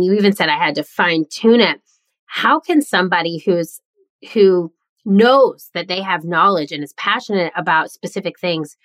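A woman's voice: lowish voice, fairly bright tone, dry recording. A woman hosting a podcast, asking questions and reacting in an enthusiastic, encouraging way. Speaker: podcast host. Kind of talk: podcast interview.

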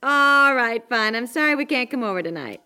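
Busy fifties radio mom, high voice, chatty and natural, gently nudging everybody along. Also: female voice, lively intonation, a little fast. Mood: chatty, friendly. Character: busy, patient young housewife and mother, gently hurrying everyone. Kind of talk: 1950s radio comedy acting.

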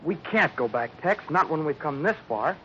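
Cocky young prospector, higher voice, eager, coaxing, radio western, noisy old recording. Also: male voice, expressive, moderate pace, bright, forceful tone, lo-fi sound.

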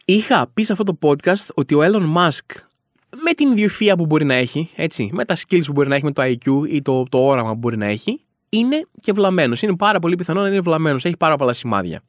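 A man's voice: fairly high pitch, sing-song, no room sound, studio quality. A man hosting a comedic podcast monologue, rambling through exaggerated, self-mocking rants full of colloquial asides and restarts. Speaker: podcast host.

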